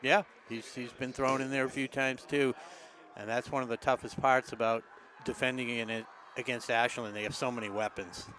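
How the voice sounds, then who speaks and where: A man adds color commentary to a local football broadcast, talking through players and plays in an easy, conversational way. His voice is bright and forward. Faint outdoor stadium noise runs underneath. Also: mid-range voice, level tone, moderate pace. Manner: analytical, conversational, fills in names and details.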